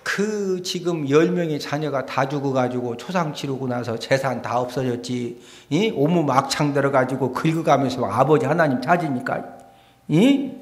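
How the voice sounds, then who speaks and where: A male pastor giving a lively sermon in a church, often prodding his congregation for a response. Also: mid-range voice, moderate pace. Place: church sanctuary. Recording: echoey church hall.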